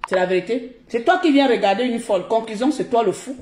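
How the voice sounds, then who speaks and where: A woman's voice: fairly high pitch, animated, fast, a little mellow, echoey room. A woman from Cameroon with a Cameroonian French accent, giving blunt, mocking live commentary as a streamer.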